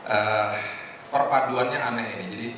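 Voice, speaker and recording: A man's voice: medium pitch, steady tone, a bit bright. Echoey middle-aged male preacher. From Indonesia. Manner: conversational, jokey, pauses with hesitations. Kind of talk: informal sermon to a congregation. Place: large echoing indoor hotel hall. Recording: echoey hall, distant mic, noisy room.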